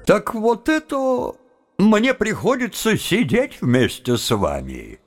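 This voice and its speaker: A sly young seminary student in a radio play, drawls slowly, voice swoops way up and down, kind of sarcastic. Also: male voice, high-pitched, wildly swooping pitch, heavily acted. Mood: chatty. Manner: slow, musing, wryly sarcastic.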